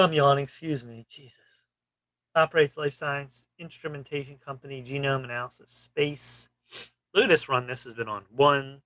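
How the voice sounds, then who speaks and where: A man's voice: mid-range voice, sharp tone, dry recording, rough recording. A man hosting a stock trading channel, walking through charts in casual, clipped phrases and often saying "you know".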